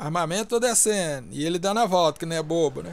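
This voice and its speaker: In a Brazilian accent, a man talks in a relaxed tone at a high pitch. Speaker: gaming video creator. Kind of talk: gameplay commentary. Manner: casual, relaxed.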